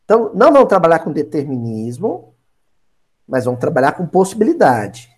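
A man leads a spiritist Bible study in a loose, conversational style. His speech moves through a wide, lively range of pitch, and he keeps turning to his listeners to make a point. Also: a little fast, breathy edge. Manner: animated, talks directly to listeners, acts out quotes. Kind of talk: conversational lecture.

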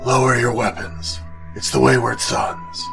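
A man playing a grim, guarded paladin survivor in an actual play audio drama, terse and deliberate with a gravelly voice. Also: medium pitch, sing-song. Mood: commanding, puzzled. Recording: loud music bed behind the voice.

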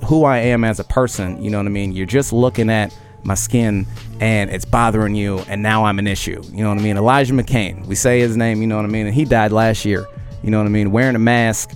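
A man in his late twenties, talking loudly and emphatically on a podcast and often asking "you know what I mean?". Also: fairly low pitch, fairly even intonation, fairly quick, soft background music. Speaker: podcast host. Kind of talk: casual conversation.

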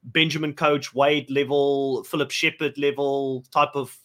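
A man's voice: medium pitch, little pitch movement, unhurried, fairly bright tone. A man whose first language is Afrikaans, hosting a podcast and putting questions to a guest in a chatty, enthusiastic way. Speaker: podcast host. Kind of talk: casual interview chat.

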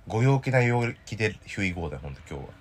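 A man in his thirties with a hoarse throat, co-hosting a casual podcast chat in a playful, jokey way. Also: lowish voice, big pitch swings, rapid-fire, a little hiss or hum. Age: 30s. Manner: playful, jokey, drifts into bits. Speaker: podcast co-host.

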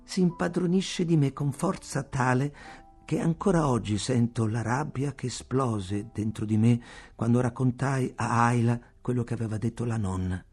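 A man reads a novel aloud for radio in a measured, expressive storytelling manner. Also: mid-range voice, husky, faint music behind. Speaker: reader. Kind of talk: literary reading for radio.

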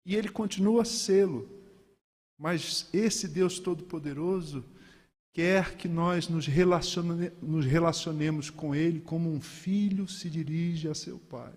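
Animated preacher, high voice, reverberant hall. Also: male voice, a little slow. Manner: animated, rhetorical questions to the congregation. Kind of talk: sermon.

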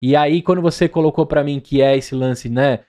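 A man's voice: a little high, steady tone, moderate pace, mellow. A man with a São Paulo accent hosting a casual interview, chatty and constantly tagging sentences with little questions. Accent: São Paulo Brazilian Portuguese. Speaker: podcast host, interviewer.

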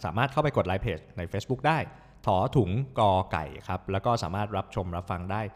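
A man hosts a casual podcast in a somewhat low voice and talks at a quick pace. He chimes in with short agreeing words and handles the show's wrap-up. The recording has a roomy reverb around him. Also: lively intonation. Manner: frequent short agreeing backchannels; wraps up and signs off the show. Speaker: podcast host.

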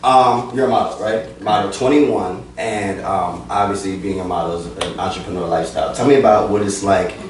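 A lower-voiced man with a New Jersey accent who hosts with hype energy and keeps repeating phrases. He sits away from the mic, and the room rings with heavy echo. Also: fairly quick, hardly any pauses, a crowd in the background. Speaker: interviewer and magazine host. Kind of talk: hype-style interview hosting. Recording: echoey room from a distance.

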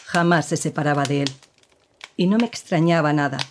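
An actress playing a woman who gravely recounts her partner's past in an audio drama, with measured, serious storytelling. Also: sits low, noisy background, lightly acted.

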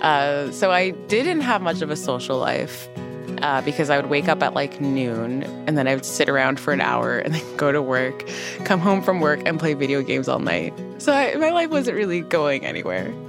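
A woman's voice: sits low, big pitch swings, normal speed, music in the background. A Canadian woman in her thirties, a podcast guest telling her story casually, laughing at herself. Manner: self-deprecating, laughing.

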